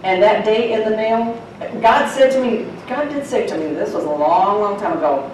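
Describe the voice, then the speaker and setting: A woman's voice: medium pitch, expressive, moderate pace, darkish tone, slight background noise. A woman teaching the Bible to a church congregation in a folksy, chatty way, laughing often. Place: church sanctuary. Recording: echoey church hall from far off.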